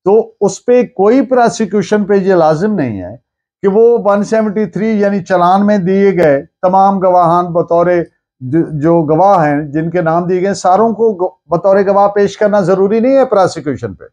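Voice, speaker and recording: A man with a Pakistani accent giving an explanatory law lecture, deliberate and restating key points in other words. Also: high voice, a little mellow, dull audio. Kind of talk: explanatory lecture with dictated case citations.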